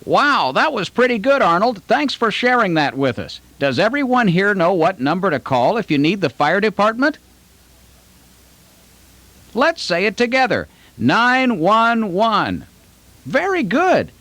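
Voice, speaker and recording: A man's voice: high voice, big pitch swings, unhurried, no room sound. A man presenting fire safety to children in an exaggerated teacherly way. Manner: bright, exaggerated teacherly delivery. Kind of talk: talking to children.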